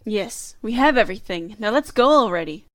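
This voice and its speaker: A woman acts a take-charge adventurer in an audio drama. Her medium-pitched voice is casual and brisk, giving decisive instructions in a close, dry recording. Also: lively intonation, no room sound, lightly acted. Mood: confident.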